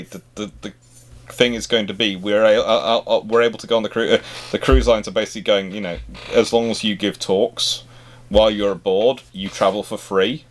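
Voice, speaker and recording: A man hosting a casual livestream chat, talking in a rambling, stop-start way that doubles back on words. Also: on the low side. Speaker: livestream host.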